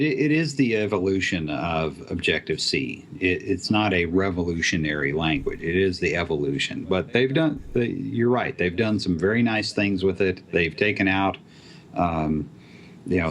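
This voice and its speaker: A man's voice: low-pitched, normal speed, a bit bright. A man who develops apps talking casually about programming, with many fillers and restarts. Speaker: app developer guest. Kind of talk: casual tech chat.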